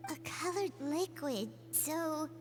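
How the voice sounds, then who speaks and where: A woman voicing a small, chirpy fairy-like girl companion in a video game, eager and excitable. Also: high voice, slow, slight background noise. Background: game music.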